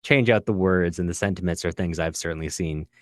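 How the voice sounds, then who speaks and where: A man's voice: low voice, a little fast, dry recording, clean studio sound. A man co-hosting a podcast in casual book discussion, agreeable and reflective, building his points piece by piece. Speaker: podcast co-host.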